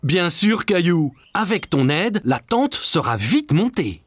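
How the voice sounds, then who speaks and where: A man voicing a kind, patient father in a French cartoon dub, calm and reassuring. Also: sits high, takes it slowly, dry recording, clean studio sound, faint music behind, full character voice.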